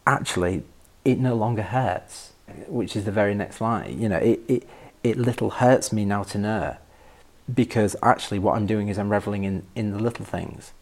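A man speaking as a podcast guest in reflective personal conversation, thoughtful and halting as he searches for words. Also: lowish voice, steady tone, a little mellow. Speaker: podcast guest discussing a favourite poem.

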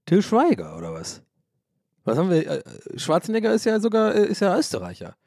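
A man's voice: sits high, wildly swooping pitch, brisk, a little mellow, dry recording, clean studio sound. A man from Ireland hosting a podcast, rambling and joking in casual chat, swearing and mocking himself. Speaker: podcast host.

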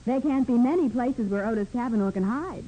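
Actress as private eye's inquisitive young assistant: dark, slightly high voice, earnest 1940s radio delivery. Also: female voice, a little fast, slight background noise, lightly acted, rough recording. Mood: curious, earnest. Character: young female detective's assistant, eager, nervous. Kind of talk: 1940s radio drama acting.

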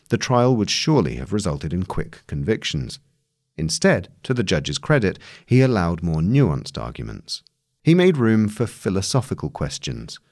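A man's voice: low voice, a little mellow. A man reading a long piece of journalism as scripted narration.

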